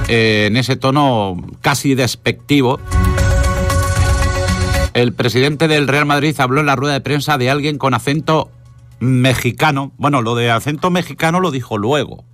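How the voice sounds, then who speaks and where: A radio host with an accent from Spain, commenting on the news informally in a halting, wry way with pauses for emphasis. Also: male voice, medium pitch, music in the background. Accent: Spanish from Spain.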